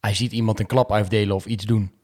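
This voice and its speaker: A man's voice: fairly low pitch, level tone, fast, darkish tone. A man hosting a casual football podcast, talking indignantly and with strong opinions about a referee. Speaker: podcast host.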